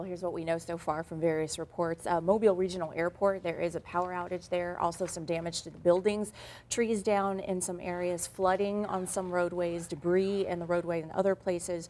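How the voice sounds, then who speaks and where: Speaking in a flat monotone, a woman moves at a fairly quick pace with a fairly low pitch. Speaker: news anchor. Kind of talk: TV news anchor reading and banter.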